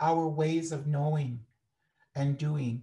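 A woman's very deep, low voice, somewhat breathy, at a very slow pace against a quiet background. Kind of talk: address to a webinar audience. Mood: calm, earnest, measured. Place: home room. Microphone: video call.

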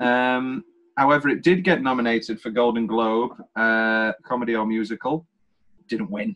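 A man with a British accent talks at a moderate pace against a quiet background. His pitch is medium, with ordinary pitch variation. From England. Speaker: film podcast co-host. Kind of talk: casual chat. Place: home room. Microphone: video call.

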